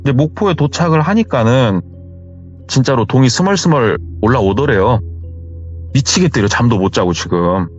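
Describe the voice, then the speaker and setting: Lively-pitched male storyteller. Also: moderate pace. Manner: chatty retelling of hearsay. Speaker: horror story narrator. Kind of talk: casual storytelling. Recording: muffled with faint music.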